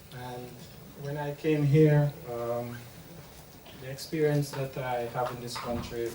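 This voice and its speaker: A man of medium pitch speaks at a fairly slow pace in a monotone, flat delivery, with big swings in loudness and long, frequent pauses. Audible room echo and noticeable background noise fill the recording. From Jamaica. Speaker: audience member, migrant. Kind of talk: public comment at conference. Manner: halting, many fillers.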